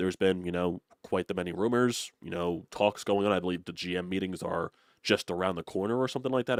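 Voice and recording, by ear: In a dry, close sound with no echo, a man speaks at a fairly quick pace in a low, nasal voice with fairly even intonation.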